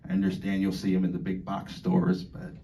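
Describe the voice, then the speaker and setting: A man on the dining staff giving an informal talk to residents, halting, with many fillers and restarts. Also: sits low, completely flat delivery, warm tone, highs cut off. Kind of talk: informal speech to an audience. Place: community hall. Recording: far from the mic, faint background noise.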